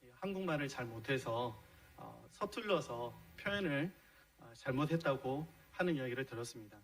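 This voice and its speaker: At a moderate pace and in an animated, medium-pitched voice, a middle-aged pastor preaches to his congregation in the church sanctuary. He explains his points earnestly and poses rhetorical questions, and the recording quality is low.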